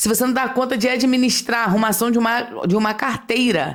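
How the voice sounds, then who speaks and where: A woman speaks at a fairly quick pace in a high voice. The recording is very clean, with a silent background. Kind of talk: devotional talk. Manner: clear diction.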